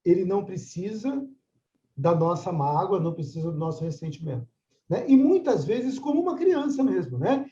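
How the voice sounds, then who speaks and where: Older male class mediator, casual and animated, muffled roomy audio. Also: high voice, normal speed. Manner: conversational, frequent tag questions. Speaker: course mediator. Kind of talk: religious study class.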